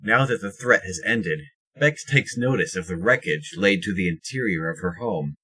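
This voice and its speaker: A man with a husky voice reading scripted narration for an audio drama. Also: deep voice, lively intonation, moderate pace, bright, forceful tone.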